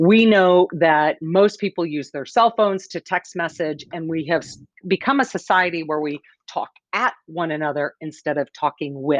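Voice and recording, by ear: A woman speaks at a moderate pace. Her pitch is low for a woman. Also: ordinary pitch variation, dry, close sound with no echo.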